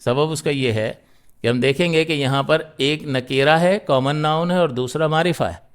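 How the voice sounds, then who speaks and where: Guy teaching a grammar class, smooth clear voice, asks questions then answers them himself. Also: fairly high pitch. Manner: explains step by step, asks and answers his own questions. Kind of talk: grammar lesson.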